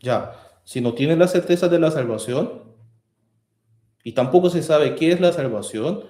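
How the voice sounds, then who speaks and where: A man preaching a sermon as pastor, earnest and rising to forceful emphasis. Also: a little high, a little slow, echoey room. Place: church hall.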